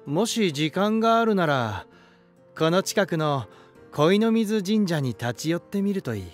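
An actor playing an elegant, romantic lighthouse spirit in a voice drama, gentle and warm, with poetic, softly teasing delivery. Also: male voice, high-pitched, big pitch swings, a little slow. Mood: kindly teasing. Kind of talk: Japanese voice drama monologue and dialogue. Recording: music behind. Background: music.

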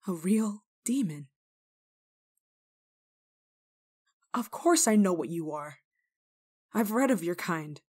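A woman playing a stern but kind-hearted village nun in a dramatic roleplay monologue, scolding and teasing with theatrical pauses. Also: fairly low pitch, darkish tone, breathy edge. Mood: awed, wondering.

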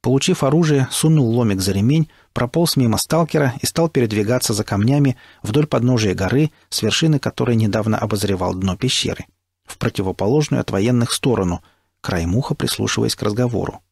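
Male audiobook narrator, gravelly and husky, steady delivery, dry close sound. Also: mid-range voice, fairly quick, no room sound. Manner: steady storytelling. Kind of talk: first-person audiobook narration.

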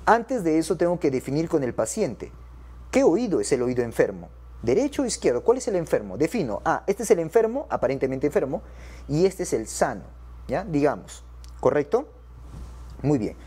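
A male medical lecturer with a mellow, warm tone and a lively, swinging delivery. He teaches an exam-prep class to doctors and keeps checking in with them as he goes. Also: fairly high pitch, slightly rough. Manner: addresses the audience as doctors.

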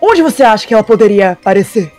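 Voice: medium pitch, animated, fast talker, darkish tone, faint music behind, lightly acted. A performer voicing a dopey, friendly, teasing male cat with a dim-witted drawl in a Minecraft role-play.

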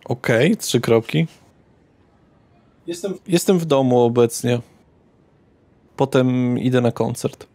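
A man's voice: mid-range voice, slow pace, long pauses, darkish tone. A man narrating a tabletop roleplaying game as game master, describing scenes with small hesitations.

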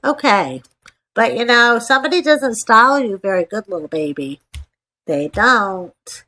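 Slow-paced woman gamer, slightly stuffed-up. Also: a little high, animated, sharp tone. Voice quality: stuffed-up, congested nasal sound. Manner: playful, chatty self-talk with repeated phrases. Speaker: gaming video host. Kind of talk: casual rambling gameplay commentary. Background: voice-over for a screen-recorded game.

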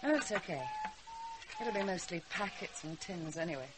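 Woman playing middle-aged mum, slightly low voice, sarcastic, exasperated, noisy background. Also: expressive, normal speed, lightly acted. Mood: weary, sarcastic. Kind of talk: radio drama acting.

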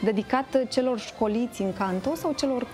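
A woman's voice: fairly high pitch, darkish tone. A young woman interviewing a guest conversationally in a TV studio. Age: young adult, around 30. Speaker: TV interviewer, host. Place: indoor TV studio. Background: music playing.

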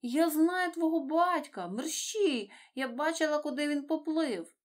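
A woman's voice: mid-range voice, a little slow. Woman doing Dory, a forgetful friendly fish. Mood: excited. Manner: scatterbrained, hesitant then lively. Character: forgetful kind female fish.

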